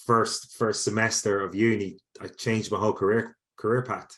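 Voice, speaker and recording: A man's voice: on the low side, fairly even intonation, normal speed, a bit bright. A man with an Irish accent, a sports psychology lecturer answering interview questions in a casual, conversational way, often restarting and repeating words. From Ireland.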